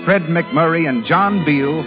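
A man's voice: on the high side, slow. A man announcing a 1930s radio show in a formal, declamatory old radio announcer style. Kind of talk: old-time 1930s radio announcer, formal scripted sponsor and cast introductions. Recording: muffled 1930s radio broadcast, music behind. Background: music.

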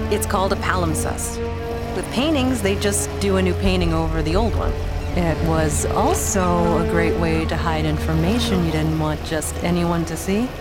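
A woman's voice: lowish voice, natural voice. An actress playing an earnest, bookish female adventurer in an audio drama, articulate and probing. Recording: loud music behind.

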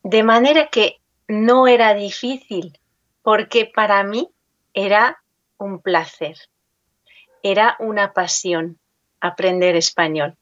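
A woman's voice: medium pitch, slow, long pauses, dry recording. Woman talking in an interview, takes her time, dry close sound but a bit dull. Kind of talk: conversational interview about personal experience.

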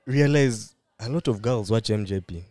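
A man's voice: on the low side, normal speed, mellow, no room sound. A man, chatting and telling stories casually as a podcast co-host in laddish London-influenced street slang. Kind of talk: casual chat, storytelling.

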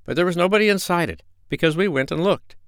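A man's voice: sits high, fast talker, fairly bright tone, no room sound, studio quality, pitched above the performer's own voice. A man voicing a friendly, gossipy school of porpoises in a storybook, in a raised, eager voice. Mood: chatty, sure.

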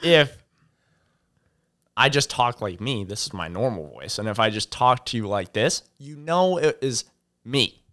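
A young man chatting casually on a podcast, telling rambling stories in a relaxed way and laughing often. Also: mid-range voice, normal speed. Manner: rambling, laid-back storyteller, laughs a lot. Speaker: podcast co-host. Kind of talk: casual chat.

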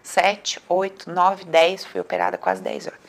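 A young woman from Brazil, a therapist, telling a personal story to camera in a conversational way, slowing down for reflective passages. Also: lowish voice, little pitch movement, creaky. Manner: conversational, dramatic quoted voices, slow reflective stretches.

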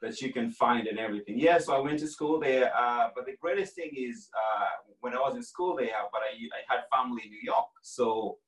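Relaxed, rambling Kenyan-born man, echoey. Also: mid-range voice, a little fast, few pauses, recorded from a distance. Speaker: franchise owner guest. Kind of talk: casual podcast conversation.

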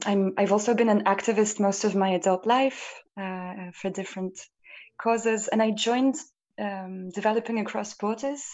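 A woman's voice: medium pitch, darkish tone, muffled recording. A woman from France and Britain introducing herself as a guest, in a friendly, somewhat hesitant way. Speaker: guest, youth worker. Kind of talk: casual self-introduction.

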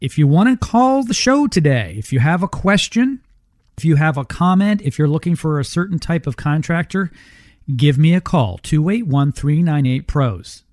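A middle-aged man hosting radio in an infomercial-style sales pitch, asking rhetorical questions and repeating details for the listener. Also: lively intonation, moderate pace, a little mellow, no echo, studio quality. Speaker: radio show host and ad reader. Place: radio studio.

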